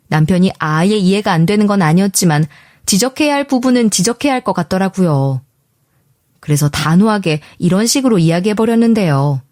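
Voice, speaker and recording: A woman's voice: medium pitch, darkish tone, no room sound, clean studio sound. A woman reading a first-person story script aloud in a confiding, indignant storytelling manner. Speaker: story narrator.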